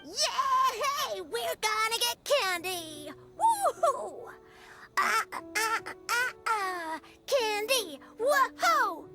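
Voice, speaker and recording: A playful small child in a video game. The voice is tiny and very high, piercingly bright and full of bouncy, eager swings, with light music behind. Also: female voice, very animated, extremely slow, heavily acted. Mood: gleeful. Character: eager, playful little child who loves candy and monster games. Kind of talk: English video game voice acting.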